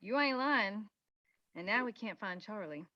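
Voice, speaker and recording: A woman's voice: medium pitch, expressive, measured pace, bright, forceful tone. A woman playing a kind, worried, weary mining-town woman in a script read, subdued and plainspoken. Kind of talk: screenplay table read. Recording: dull, lo-fi sound.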